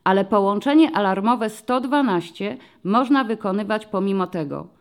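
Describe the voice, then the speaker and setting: A woman voicing a patient, friendly male police commissioner who explains things slowly to young children in an audiobook story. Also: medium pitch, lively intonation, close to an everyday voice. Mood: explaining.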